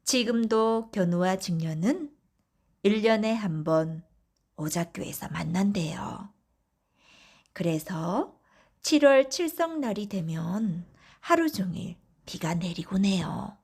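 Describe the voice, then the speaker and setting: A woman narrating folk tales for bedtime in a soft, often whispery, gentle voice. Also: mid-range voice, lively intonation, slow, husky. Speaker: audiobook narrator.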